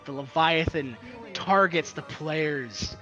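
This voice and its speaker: A man's voice: a little high, slow pace, muffled recording. Man narrating a game with dramatic build. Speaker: game master. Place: online voice chat. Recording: background music.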